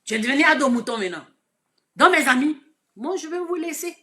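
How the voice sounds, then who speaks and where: A woman with an Ivorian French accent giving an impassioned, preachy live video address, swinging from shouted lines to hushed asides. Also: sits high, animated, fairly quick. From Côte d'Ivoire. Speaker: online commentator.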